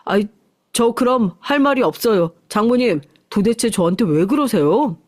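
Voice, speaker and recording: A woman's voice: on the high side, lively intonation, normal speed, darkish tone. A woman voicing a frustrated young husband who pleads with his mother-in-law in a radio story reading. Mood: exasperated. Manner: exasperated, pleading.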